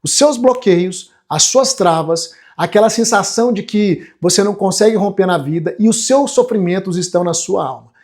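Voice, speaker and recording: A man's voice: high-pitched, normal speed, few pauses, a little mellow. A Brazilian man in his forties giving a motivational online class as a coach, speaking earnestly and emphatically and often checking for agreement. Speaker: self-development coach hosting an online class. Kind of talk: motivational live lecture to viewers.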